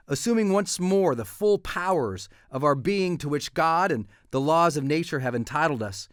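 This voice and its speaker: Higher-pitched man, emphatic declamatory delivery, scripted inspirational reading, very dry close sound. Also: no echo.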